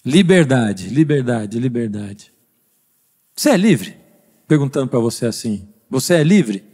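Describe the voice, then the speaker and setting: At a church service, a pastor with a Brazilian Portuguese accent preaches conversationally, quizzing the congregation with rhetorical questions. His mid-range voice is sing-song and a little mellow, somewhat slow, with a breathy edge.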